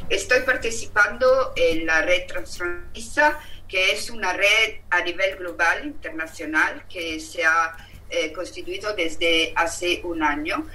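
Italian-accented woman, halting, bright voice. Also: fairly low pitch. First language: not Spanish. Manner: halting, many fillers and restarts. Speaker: activist speaker. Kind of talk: talk at an online meeting. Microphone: video call. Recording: distant mic with faint hiss.

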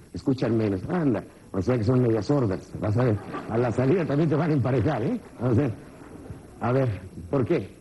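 A man giving a live personal development seminar, joking and constantly quizzing the audience in an animated way. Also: mid-range voice, slight background noise, low-quality recording. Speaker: motivational seminar speaker.

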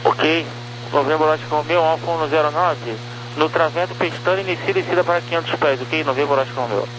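A man's voice: a little high, fairly even intonation, brisk. A man with a Brazilian accent giving clipped air traffic control instructions over a radio. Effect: radio transmission. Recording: noisy radio channel with hum.

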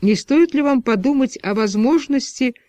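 A man's voice: extremely high pitch, expressive, normal speed, a little mellow, no echo, voice pushed up. A man voicing a stern postwar official who interrogates with pressing, insinuating questions.

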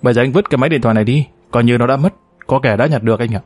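A man's voice: medium pitch, very fast, husky, dry recording, lightly acted. Male narrator as a cool-headed, clever driver, dry and close. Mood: calm. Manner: calm, level-headed. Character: calm, clever male driver, young adult.

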